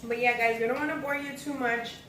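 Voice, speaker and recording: A woman's voice: on the high side, fairly even intonation, brisk, fairly bright tone. Female American vlog host, casual and viewer-facing, roomy echo with faint background noise. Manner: informal, addresses viewers directly. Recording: echoey room, distant mic, faint noise.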